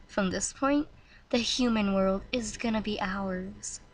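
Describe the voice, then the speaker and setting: A woman voicing a scheming demon commander who gives low, menacing orders for a voice audition. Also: slow, lightly acted, rough recording. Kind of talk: voice audition reading.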